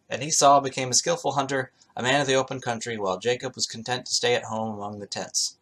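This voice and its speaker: A man's voice: on the low side, fairly bright tone. A man reading scripture aloud in a casual way, with wry, irreverent, sarcastic asides of his own.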